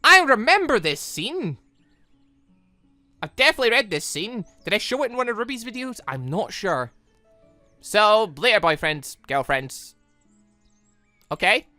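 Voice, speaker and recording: A gaming host giving excitable, rambling commentary and reading visual novel dialogue aloud, often repeating words. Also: medium pitch, unhurried, pauses often, no room sound. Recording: music behind the voice. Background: background music.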